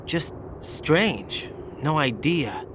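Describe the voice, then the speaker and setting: An actor playing a troubled young soldier in a video game, earnest, brooding and unsure of himself. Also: male voice, on the high side, animated, extremely slow. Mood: subdued, puzzled. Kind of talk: dramatic video game voice acting. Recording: clear vehicle and ambient noise.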